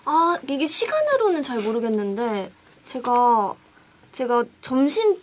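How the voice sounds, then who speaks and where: Giggly high-voiced young woman. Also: very animated. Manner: giggly, quick to laugh, playful. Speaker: special guest DJ. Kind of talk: casual radio chat. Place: radio studio.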